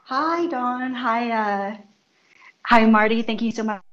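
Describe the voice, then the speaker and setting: A woman's voice: fairly high pitch, takes it slowly, a bit bright. A woman calling in to a radio interview over the phone, telling stories casually with many fillers. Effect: over a phone line, on speakerphone. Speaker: guest chef and wellness consultant. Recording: muffled phone line, faint background noise.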